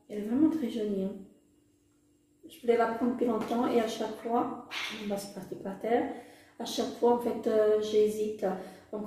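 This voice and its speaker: A woman's voice: on the high side, mellow, slight background noise. A woman vlogger casually reviewing makeup, gushing with delight and using many fillers. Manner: enthusiastic, repetitive exclamations, many fillers. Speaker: beauty vlogger. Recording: very echoey room.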